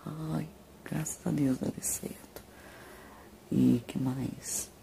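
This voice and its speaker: Brazilian lady rambling to her phone at home, super croaky fry in her voice, noisy recording. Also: deep voice, steady tone, slow pace. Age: middle-aged. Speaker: vlogger. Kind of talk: casual chat to camera. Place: small rooms at home, indoors. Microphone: phone at arm's length.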